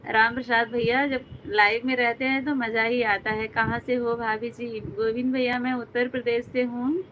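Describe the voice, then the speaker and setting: A chatty woman from Uttar Pradesh hosts a live stream from home, reading out comments and greeting viewers by name. Her voice sits a little high but stays level, with little rise and fall. A faint hum runs under the recording. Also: a bit bright, rough recording. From Uttar Pradesh, India.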